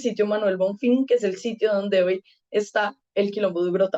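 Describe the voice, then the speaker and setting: Dry, close sound with no echo on a woman's fairly high, dark, mellow voice at a moderate pace. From Colombia. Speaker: anthropologist researcher. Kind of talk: lecture. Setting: video call. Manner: halting.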